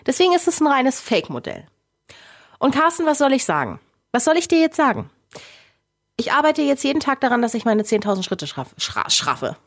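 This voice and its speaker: Brief: female co-host, casual banter, filler-heavy, animated pitch. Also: fairly quick. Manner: teasing, chatty, full of fillers. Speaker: podcast co-host. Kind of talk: casual chat.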